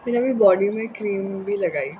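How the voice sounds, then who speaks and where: A young woman with a hoarse, sore throat chats casually and unscripted in a rambling home vlog, mixing in English words. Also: mid-range voice, normal speed, lo-fi sound, background noise. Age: young adult. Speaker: vlogger. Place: indoors in a room at home.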